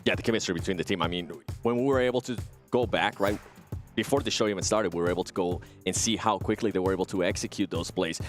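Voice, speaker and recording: A man analysing matches on an esports desk, eager and energetic, English being his second language. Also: sits low, quick pace, faint music behind. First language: not English. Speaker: esports caster.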